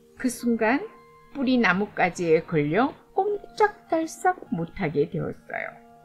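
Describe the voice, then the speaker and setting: A woman's gentle, soothing voice, fairly high in pitch, with very wide pitch swings at a very slow pace over music in the background. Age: old. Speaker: storyteller. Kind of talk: bedtime story reading.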